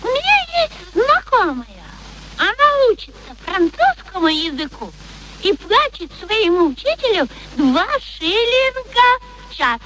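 A woman's voice: very high voice, very animated, unhurried, exaggerated voice. An actress playing a brash, touchy young flower girl in a theatrical radio play, whining and indignant. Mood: cocky. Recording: old radio recording, faint noise.

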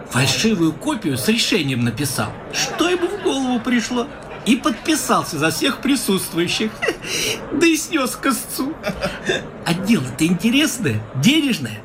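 An actor playing a male official in a radio play, telling a tale in an animated, gossipy way. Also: high voice, noisy background.

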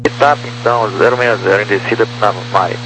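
A man's voice: on the low side, fairly even intonation, quick pace. Brazilian male air traffic controller on noisy radio. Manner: procedural, terse phraseology. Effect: over walkie-talkie style radio. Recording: noisy humming aviation radio transmission.

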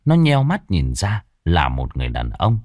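A man narrating a story in a steady, expressive way. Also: low voice, normal speed, dry recording, clean studio sound.

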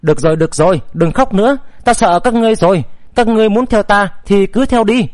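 A man's voice: high voice, fast, a little mellow, no echo, natural voice. A man voicing a dry, teasing young nobleman in a historical storybook. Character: young nobleman, wry and teasing, stern at times.

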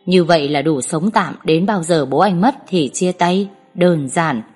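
Cold young schemer, low and subdued, played by a woman reader. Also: unhurried, husky, soft background music. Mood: cold dismissive. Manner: flat, dismissive, quiet. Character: cold, calculating young village man.

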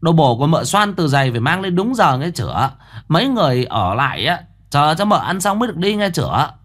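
Guy doing a shrill bossy old maid, high and fast, barking orders. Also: very animated, a bit bright. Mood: scolding. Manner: scolding, commanding. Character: shrill bossy older female servant.

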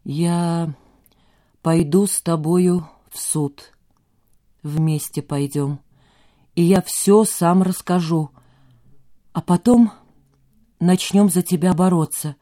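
A woman reading an audiobook, voicing a grieving father who speaks slowly and quietly with deep sorrow. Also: steady tone. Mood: sorrowful. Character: grieving remorseful father, gentle and steady.

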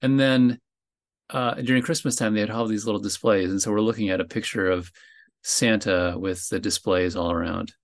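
A man from New Jersey, a guest on a podcast, talking casually and haltingly, often pausing to find his words. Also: lowish voice. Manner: relaxed, hesitant, searching for words. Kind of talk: casual chat.

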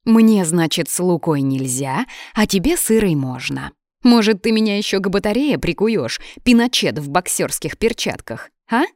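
A woman voicing a feisty, cheeky young red-haired woman with squeaky, loud retorts in an audiobook. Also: lively intonation, moderate pace, dry recording, clean studio sound. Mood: defiant.

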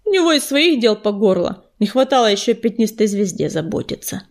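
A woman narrating a children's audiobook in an expressive storytelling manner. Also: medium pitch, fairly quick. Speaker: audiobook reader.

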